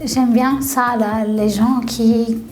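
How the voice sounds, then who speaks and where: A woman's voice: a little high, steady tone, slow pace, a little mellow, poor audio. A young woman from Tunisia chatting casually in an interview, often laughing and repeating her words. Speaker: reality TV contestant. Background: faint background music.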